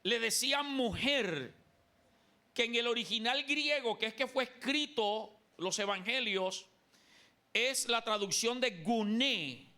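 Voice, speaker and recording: A man's voice: very high voice, animated, slow pace, pushed and bright. A man from Colombia preaching a sermon as pastor in a church, emphatic and calling on the congregation to repeat after him. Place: church sanctuary.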